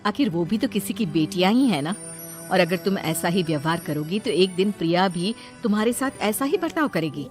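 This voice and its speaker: A woman voicing a kind, wise middle-aged neighbor who reasons calmly in a cartoon story. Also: on the low side, a little fast, soft background music, lightly acted. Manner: calm, reasoning, gently firm.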